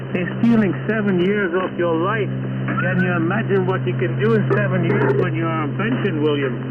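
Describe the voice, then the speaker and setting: A man talks with hardly any pauses. Audible room echo and noticeable background noise surround him. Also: moderate pace, very even loudness. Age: 60s. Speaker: amateur radio operator, retired air force veteran. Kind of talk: ham radio conversation. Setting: shortwave radio transmission. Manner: halting, many fillers.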